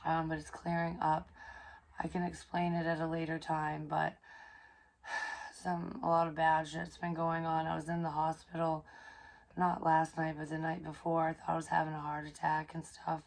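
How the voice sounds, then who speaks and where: A hoarse young woman, chatting casually in a rambling psychic vlog, swearing freely and filling pauses with ums. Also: deep voice, monotone. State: hoarse, recovering from illness. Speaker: psychic medium vlogger.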